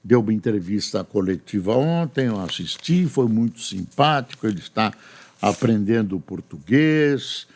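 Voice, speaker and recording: An older Brazilian man, a news anchor, reading newspaper stories aloud and adding chatty, unhurried remarks between them. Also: fairly low pitch, expressive, darkish tone.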